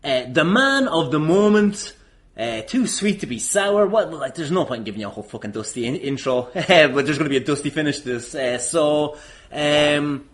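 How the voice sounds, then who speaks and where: A man's voice: on the high side, expressive, normal speed. A man hosting a casual chat interview, speaking informally and a little hesitantly. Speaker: podcast host.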